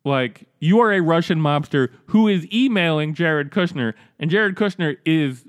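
A blunt, foul-mouthed man co-hosting a comedy podcast, with a voice a little higher than most men's. He is recorded close on a studio mic in a dry room with no echo. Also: lively intonation, normal speed. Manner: blunt, swears, laughs at his own jokes. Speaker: podcast co-host. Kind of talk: casual political comedy chat.

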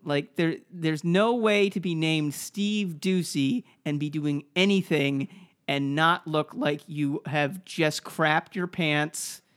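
A man's voice: on the high side, slow pace, fairly bright tone. Nasal-voiced man riffing on a podcast. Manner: rambling, stammers and repeats words. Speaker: podcast co-host. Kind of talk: casual comedic chat.

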